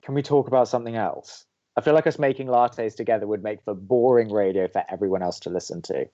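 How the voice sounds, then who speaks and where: A man's voice: lowish voice, fast, mellow, highs cut off, close to an everyday voice. A man playing an awkward, wry young college radio co-host in an audio drama. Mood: exasperated. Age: young adult. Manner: dry, exasperated, awkward.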